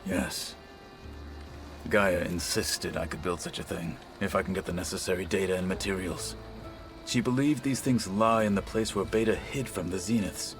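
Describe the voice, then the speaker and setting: A man playing a solemn, deep-voiced tribal warrior. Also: over music, close to an everyday voice. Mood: earnest. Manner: formal, solemn, measured. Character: stern one-armed male tribal warrior. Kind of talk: video game cutscene dialogue.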